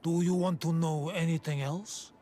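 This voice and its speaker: A man playing a solemn, wary tribal keeper of sacred promises in a video game, with a measured delivery. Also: fairly high pitch, steady tone, warm tone, slight background noise, natural voice. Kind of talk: video game cutscene acting.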